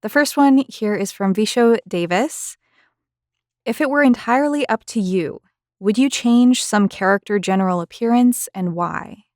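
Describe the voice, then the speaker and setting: A woman's voice: medium pitch, normal speed, a little mellow, no echo, clean studio sound. A woman hosting a conversational interview, reading out questions and responding to the answers. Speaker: interviewer, host.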